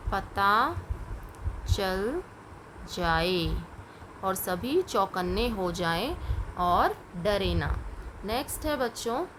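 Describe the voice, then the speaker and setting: A woman teacher takes a class of young children through their lesson, her voice a little high. She dictates each answer at a very slow, careful pace. Faint noise sits behind her voice. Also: a bit bright, low-quality recording.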